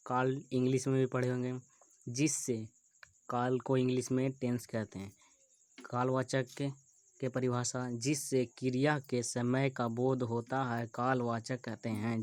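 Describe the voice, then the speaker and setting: A man's voice: medium pitch, no room sound. A man teaching a grammar lesson, working through definitions and examples, often repeating terms as he thinks aloud. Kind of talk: Hindi grammar lesson over screen recording.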